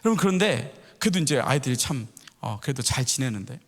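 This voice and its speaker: A man's voice: medium pitch, very animated, quick pace. A middle-aged male pastor giving a storytelling sermon that asks the congregation questions. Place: church sanctuary. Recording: echoey church hall.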